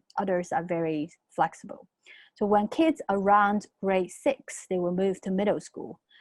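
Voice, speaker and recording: A woman talks in a Chinese accent at a medium pitch. The sound is dry and close, with no echo. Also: lively intonation, moderate pace. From China, Shanghai. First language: Mandarin Chinese. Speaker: arts educator. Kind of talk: interview. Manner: halting, many fillers.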